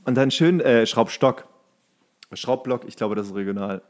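With faint music behind him, a male podcast co-host with a mid-range voice chats at normal speed about tools and DIY. He is colloquial and jokey, rambling loosely and digressing as he talks.

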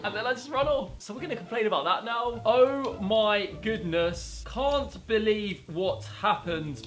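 A young man narrating a casual prank vlog in a bedroom studio, cheekily reading posts in a slow mock-outraged voice. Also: high voice, fairly bright tone. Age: young adult. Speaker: YouTuber. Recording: background music.

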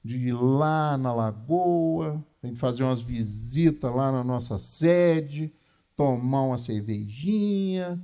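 This is a Brazilian man in his fifties with a somewhat high-pitched voice. He speaks as a lecturer on religious matters, in a didactic but conversational way. He tends to repeat key phrases for emphasis. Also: a little mellow. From Minas Gerais, Brazil. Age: 50s. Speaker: lecturer at a Spiritist centre. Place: small meeting room, indoors.

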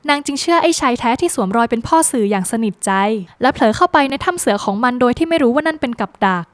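A woman narrating a scripted drama plot recap in a brisk, lively storytelling manner with dramatic phrasing. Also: high voice, no room sound.

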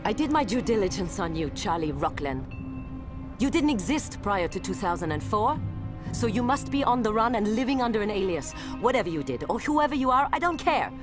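An actress playing a driven, secretive history professor in a motion comic, with an intense, measured delivery. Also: female voice, mid-range voice, big pitch swings, lightly acted. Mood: urgent, determined. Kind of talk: dramatic motion-comic acting. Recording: dramatic music under the voice.

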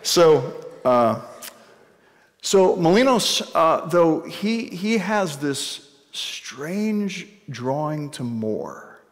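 A man's voice: fairly high pitch, sing-song, very slow. Male pastor, 40s, conversational sermon with wry asides, long church reverb. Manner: conversational, jokey asides to the congregation. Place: church stage before a congregation.

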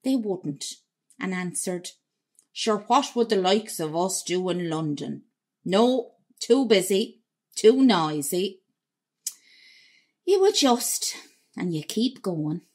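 A woman's voice: medium pitch, lively intonation, darkish tone. A woman with an Irish accent playing an ageing emigrant wife who reminisces reflectively in a radio drama monologue. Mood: reminiscing. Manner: reminiscing, unhurried storytelling.

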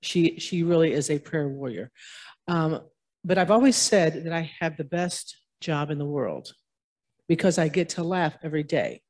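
A woman's voice: low voice, moderate pace, darkish tone. A woman, a care home administrator, chatting on a panel about residents. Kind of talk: panel answer.

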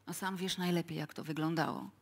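An actress playing a hard, weary, calculating widow in a radio play, with a husky, breathy voice. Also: female voice, lowish voice, steady tone, brisk. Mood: weary, conspiring. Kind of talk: live radio play acting.

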